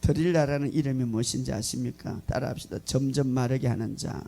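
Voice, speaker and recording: Gravelly-voiced male pastor preaching. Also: medium pitch, a little fast. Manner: animated storytelling, acting out lines, laughing often. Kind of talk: sermon.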